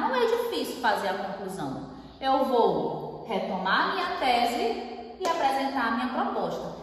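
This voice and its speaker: A woman teacher giving a writing lesson, clear and didactic, asking questions and answering them herself. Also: on the high side. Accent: Brazilian Portuguese. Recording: echoey room, voice far from mic.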